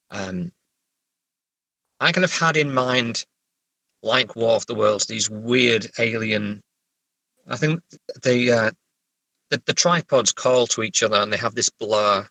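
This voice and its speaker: A man's voice: mid-range voice, a little slow, long pauses, pushed and bright, no room sound, rough recording. A middle-aged man chatting casually as a guest writer, hesitant and self-deprecating, often stammering. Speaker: guest writer discussing own story. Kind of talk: casual interview chat.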